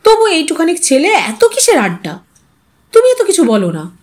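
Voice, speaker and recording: A woman's voice: very high voice, wildly swooping pitch, moderate pace, a little mellow, pitched above the performer's own voice, heavily acted. A woman voicing an anxious, easily hurt mother who frets and scolds in an agitated way, in an audio story. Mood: agitated, fretful. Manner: agitated, fretful complaining.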